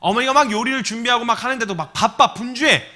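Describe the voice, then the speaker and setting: Energetic male missionary preacher; fast, bright, animated storyteller. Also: very high-pitched. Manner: animated storytelling, acts out scenes with sound effects. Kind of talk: sermon to young adults.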